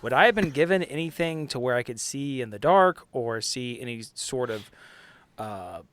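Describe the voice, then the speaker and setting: A man's voice: medium pitch, lively intonation, normal speed. A man playing a tabletop game, casually rambling with many restarts. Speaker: player. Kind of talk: casual chat.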